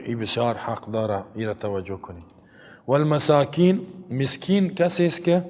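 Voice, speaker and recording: A man's voice: medium pitch, a little mellow, big-room sound. A man with an Afghan Dari accent giving a Quran commentary lesson, reciting Arabic verses and then explaining them in plain, chatty talk with rhetorical "right?" asides. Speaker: Quran teacher.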